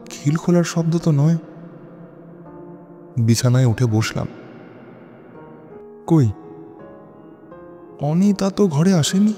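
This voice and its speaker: An actor playing an anxious husband who narrates a horror audio drama in a brooding, dramatic way with halting phrases. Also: male voice, fairly high pitch, warm tone. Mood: longing, suspense. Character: anxious husband narrating his haunted stormy night.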